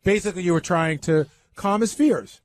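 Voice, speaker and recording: A man's voice: sits high, normal speed. A man on a radio panel, speaking off the cuff in an insistent, argumentative way. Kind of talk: unscripted radio debate.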